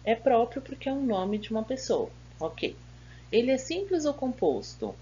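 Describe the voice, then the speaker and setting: Teaching grammar remotely, this Brazilian woman speaks in a fairly high, mellow, very animated voice at normal speed, with a Brazilian Portuguese accent. She's a school teacher who patiently poses her own questions and answers them. There's a faint hum under the dull, lo-fi sound.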